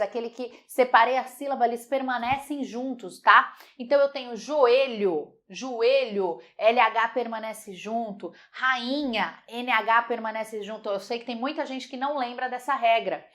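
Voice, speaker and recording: A woman teaching a Portuguese grammar lesson, lively and emphatic, repeating words slowly to model their sounds. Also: on the high side.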